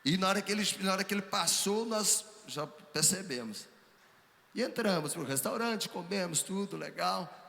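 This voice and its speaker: A man, a pastor telling his story on a ministers' panel, acting out the dialogue with lively energy. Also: sits high, moderate pace, creaky. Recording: hall reverb, faint background ambience.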